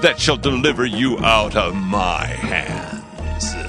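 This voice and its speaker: A man's voice: lowish voice, lively intonation, slow pace, music in the background. A man playing a proud, wrathful ancient king, imperious and menacing, in a dramatized scripture production. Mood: imperious, threatening. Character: proud, wrathful Babylonian king threatening captives.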